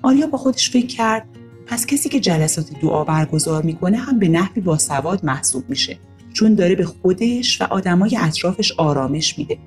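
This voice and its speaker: A woman narrating a children's story in an expressive, gently paced reading voice. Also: lowish voice, faint music behind.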